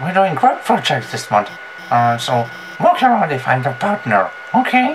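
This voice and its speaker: A put-on character voice at a middle pitch and moderate pace plays over clear background noise. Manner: nervous.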